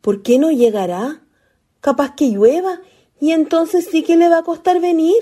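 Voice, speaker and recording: A woman's voice: sits high, measured pace, warm tone. A woman playing a lovestruck young ghost, a naive country girl with a Chilean accent and earnest colloquial speech, in a radio play. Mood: anxious. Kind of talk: radio theatre acting.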